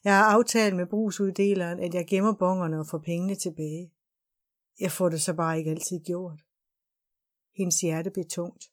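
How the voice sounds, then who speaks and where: Low-voiced woman reading a novel aloud. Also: steady tone. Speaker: audiobook narrator. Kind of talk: scripted narration.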